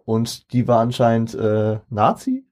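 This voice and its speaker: A man's voice: mid-range voice, big pitch swings, measured pace, darkish tone. A young man co-hosting a casual podcast chat about rap, talking in a rambling way with many restarts. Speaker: podcast co-host.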